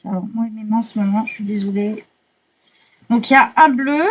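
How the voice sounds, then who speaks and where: A woman chatting casually while unboxing art supplies, excitable, swearing lightly and apologizing often. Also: a little high, fairly quick, rough recording.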